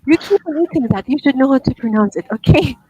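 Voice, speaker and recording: A woman gives one-on-one IELTS feedback over a video call, her voice on the higher side. She corrects gently, laughs easily and apologizes for her own slips. The sound is dry and close to the mic. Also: animated, quick pace, slightly rough, no echo, dull audio. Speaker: IELTS speaking teacher. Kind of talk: online one-on-one lesson feedback.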